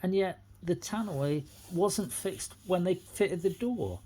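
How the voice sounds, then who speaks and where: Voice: medium pitch, slow, mellow, rough recording. A middle-aged person with a British accent, speaking off the cuff as an aggrieved tenant, indignant and going back over the same points. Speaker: tenant making a complaint. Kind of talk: unscripted personal grievance monologue.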